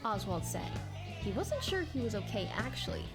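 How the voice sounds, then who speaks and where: Expressive high-voiced woman narrating a story. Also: normal speed, music in the background. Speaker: narrator of an audiobook-style dramatic reading.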